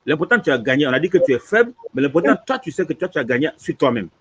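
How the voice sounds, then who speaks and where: A man teaching on a dull, lo-fi recording. His husky voice rises and falls in a lively way as he repeats his points and keeps checking that the listener follows. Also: a little high, very fast. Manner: lively, repetitive explaining with frequent "tu vois". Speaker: imam answering questions. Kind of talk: religious teaching in conversation. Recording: dull lo-fi audio.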